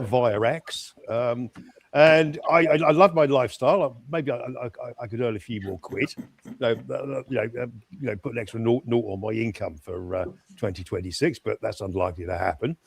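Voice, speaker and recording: A man's voice: medium pitch, moderate pace, creaky. An older man, a guest in a casual chat, cheerful and full of hesitations and repeated words. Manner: hesitant, stammering, upbeat.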